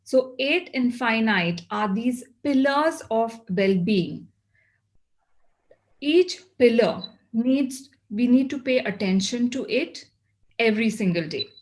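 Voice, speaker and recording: A woman with a South Asian accent speaks in a fairly high voice as she gives a motivational talk. She is instructive, setting out points and putting questions to her listeners that she then answers. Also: lively intonation, takes it slowly, poor audio. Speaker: well-being speaker addressing a group.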